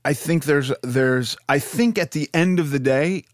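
A man's voice: fairly high pitch, unhurried, no echo, studio quality. A man hosting a podcast, chatting in a friendly, casual way, often restarting his sentences. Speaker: podcast host.

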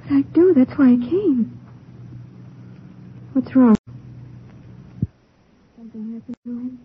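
A high female voice, thin and tinny on an old, slightly noisy radio recording. a lovestruck young Mexican girl in a crime melodrama. She is earnest, emotional and pleading. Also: animated, slow pace. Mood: anxious. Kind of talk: 1950s American radio melodrama acting.

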